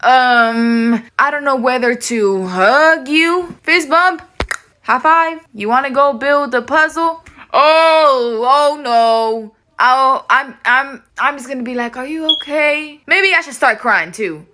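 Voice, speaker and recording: A high, bright-toned woman talks slowly and unhurriedly, musing in an awkward, self-mocking way. There is a faint hiss under her voice. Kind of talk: casual clip monologue.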